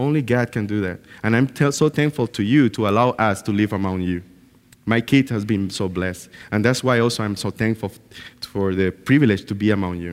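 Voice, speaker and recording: Speaking with a Spanish accent, a man uses a fairly low pitch with ordinary variation. He moves at a fairly quick pace. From Nicaragua (Bluefields, Caribbean coast). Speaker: missionary. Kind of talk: sermon. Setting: church. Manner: halting.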